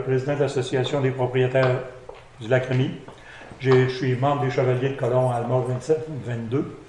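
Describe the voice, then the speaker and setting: A man's voice: medium pitch, darkish tone. A man in his sixties with a Quebec French accent, listing his background in a hesitant self-introduction as a candidate. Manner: list-like, hesitant, with filler pauses. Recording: echoey room.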